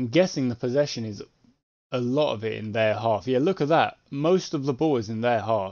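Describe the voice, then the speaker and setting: The background stays quiet. A man talks at a moderate pace, his intonation lively. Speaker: gaming youtuber. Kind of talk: casual gaming commentary. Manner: chatty, casual. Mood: calm, analytical. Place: home room.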